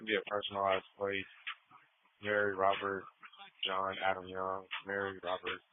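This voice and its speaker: A man's voice: sits low, monotone, moderate pace, slight background noise. A male police officer giving clipped, procedural transmissions over a two-way police radio. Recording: narrow, tinny police radio channel.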